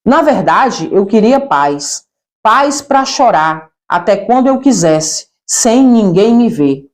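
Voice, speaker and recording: A woman's voice: mid-range voice, big pitch swings, takes it slowly. A woman with a Brazilian accent narrating a church testimony expressively, addressing listeners as brethren. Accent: Brazilian Portuguese.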